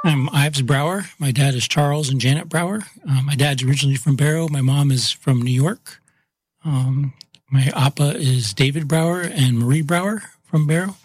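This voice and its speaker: A man's voice: a little high, moderate pace, low-quality recording. Plainspoken man explaining utilities. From Massachusetts, US. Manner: plainspoken, trails off with "so" and "yep". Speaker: utilities chief of operations. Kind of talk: casual interview.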